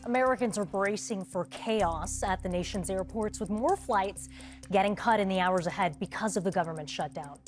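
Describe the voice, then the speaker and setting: A woman delivers a scripted news report as an anchor. Her voice is mid-pitched, with faint music underneath. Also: moderate pace.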